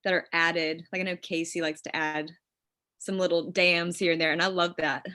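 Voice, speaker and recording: A woman's voice: on the low side, little pitch movement, normal speed, bright, forceful tone. A woman screenwriter explaining things casually and informally, as in a conversation with collaborators. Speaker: screenwriter leading a script table read.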